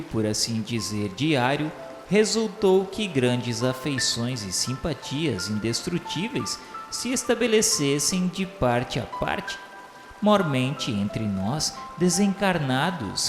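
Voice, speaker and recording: A Brazilian man narrating a radio novel in a solemn, formal, measured and declamatory literary style. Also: a little high. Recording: echoey voice over background music. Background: music.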